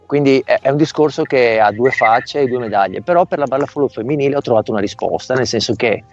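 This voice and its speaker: Interviewed over a remote call, a middle-aged volleyball coach explains things at length in a quick, medium-pitched voice, often asking "capito?" to make sure he's understood. The call audio is dull and lo-fi, with faint music behind it.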